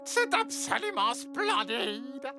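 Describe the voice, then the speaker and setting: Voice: sits high, very animated, takes it slowly, loud music behind the voice, exaggerated voice. A performer in a French cartoon dub voicing a male pigeon supervillain, pompous, melodramatic and fatherly, in a theatrical, grandiose manner. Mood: rapturous.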